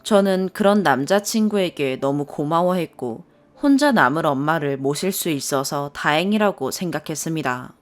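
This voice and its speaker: A woman narrating a first-person story in a calm, even reading voice. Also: low voice, moderate pace, hardly any pauses. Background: soft background music.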